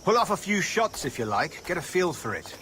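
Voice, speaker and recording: A hearty old officer. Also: male voice, sits high, big pitch swings, background noise. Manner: hearty, brisk, encouraging. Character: older English officer, hearty weapons enthusiast.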